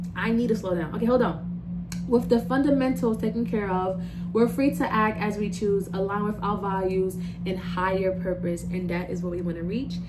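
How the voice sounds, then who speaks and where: A woman speaks in an animated tone at a medium pitch with ordinary pitch variation. Noticeable background noise and audible room echo fill the recording. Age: 20s. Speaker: lifestyle and self-growth vlogger. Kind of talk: casual vlog talk to camera. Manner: fast.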